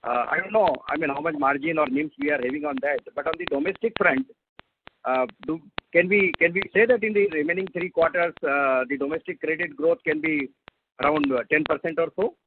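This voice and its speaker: A man's voice: fairly high pitch, brisk. A man with an Indian accent asking questions as an analyst on a conference call, in a hesitant, rambling way. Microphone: telephone. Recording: tinny phone line with loud noise.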